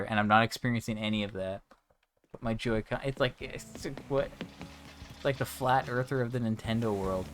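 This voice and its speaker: A man streaming a game, chatting casually in a rambling, ranting way with many restarts, interrupted by hiccups. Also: medium pitch. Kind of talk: casual livestream chat while playing. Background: game music.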